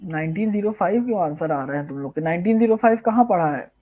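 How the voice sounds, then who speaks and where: A man's voice: sits high, expressive, dull audio. Man quizzing students in a live class. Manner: quizzes viewers, then answers his own questions; slows down to dictate key terms. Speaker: pharmacognosy tutor. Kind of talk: live online revision lecture.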